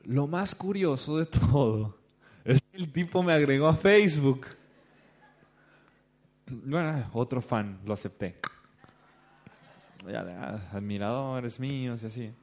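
This business speaker, a man with a Mexican accent, talks slowly in a medium-pitched voice and pauses often. Telling a story to his audience, he stays animated and acts out the people he quotes.

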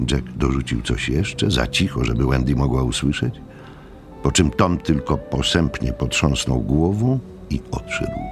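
A man with a deep gravelly voice narrating a scripted audiobook story.

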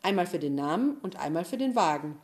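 A woman's voice: on the low side, sing-song, fast, darkish tone. Woman doing a smug bullying schoolboy. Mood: smug threatening. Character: boastful bullying schoolboy, threatening.

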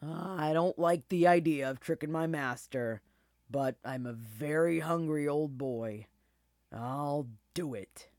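A woman voicing a weary, toothless old male dog in a children's storybook, slow, sighing and grumbling. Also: low voice, darkish tone, no echo, clean studio sound. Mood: reluctant, resigned.

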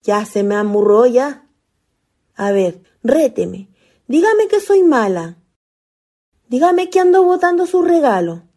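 A woman's voice: high voice, big pitch swings, slow, long pauses, warm tone, heavily acted. A woman acting a naive, affectionate young country ghost in a radio drama, with a Chilean accent and folksy, coaxing speech. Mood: apologetic, coaxing.

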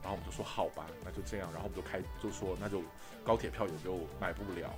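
A man from Sichuan, China, co-hosting a podcast and telling a trip story in casual chat, animated and often laughing. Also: low voice, very fast, music in the background. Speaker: podcast co-host.

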